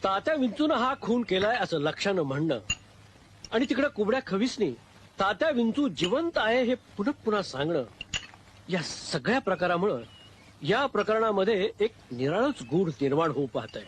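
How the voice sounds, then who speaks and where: An actor playing a senior police officer who calmly lays out a mystery to a junior, in a comedy film. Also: male voice, high voice, a little hiss or hum. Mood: measured. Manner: measured, explaining.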